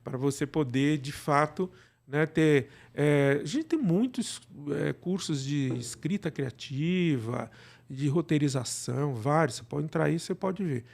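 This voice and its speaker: A radio drama creator with a Brazilian Portuguese accent chats as an interview guest, offering advice in a colloquial, wandering way and often tacking on tags to seek agreement. His voice is on the high side and creaky with a darkish tone, and he speaks a little slowly.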